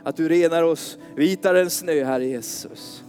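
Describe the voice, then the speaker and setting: A man's voice: on the high side, faint music behind. A man preaching at a church meeting and praying aloud with fervent, rising intensity. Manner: fervent, rising to loud pleading prayer. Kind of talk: sermon and spoken prayer.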